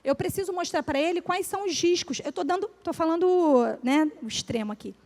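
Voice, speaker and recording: A woman with a Brazilian Portuguese accent gives a lively motivational business talk to a live audience. She asks the listeners questions and acts out everyday examples. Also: very high-pitched, a little fast. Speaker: speaker at a business breakfast talk. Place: event room with audience. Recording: live hall with long reverb.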